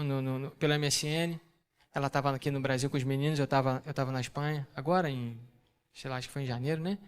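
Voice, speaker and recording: Animated man preaching a testimony. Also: clean tone. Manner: animated storytelling, acting out family dialogue with sudden pitch jumps. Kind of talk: sermon testimony to a church audience.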